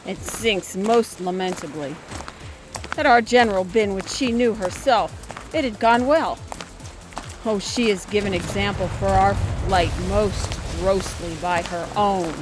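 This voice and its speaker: A woman's voice: medium pitch, unhurried, over music, lightly acted. A woman playing a disillusioned, grim Roman commander in a Shakespearean audio drama, grave and declamatory. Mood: bitter dismay. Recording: loud background noise.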